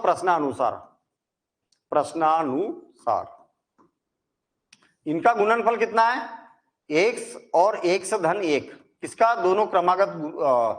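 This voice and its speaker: A high-voiced maths teacher works through an exercise step by step in a Hindi maths lesson. Chatty and reassuring with his students, he repeatedly poses questions and answers them himself.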